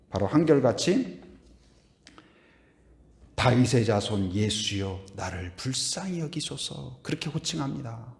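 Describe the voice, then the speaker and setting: Animated Korean pastor preaching. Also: male voice, lowish voice, gravelly. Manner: animated, asks the congregation questions, hums and sings hymn lines. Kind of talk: sermon.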